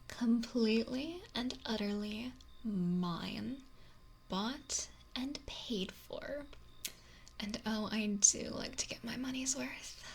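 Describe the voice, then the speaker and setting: A woman voicing a possessive, lonely, wealthy female mafia boss in a whispery, breathy, domineering ASMR roleplay, close to the microphone. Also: a little high. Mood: smug, possessive. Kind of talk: intimate ASMR roleplay monologue. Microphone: close binaural microphone. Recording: noisy close binaural whisper recording.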